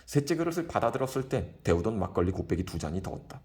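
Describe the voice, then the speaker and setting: A man narrating a classic short story in a brisk, expressive audiobook reading. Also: on the low side.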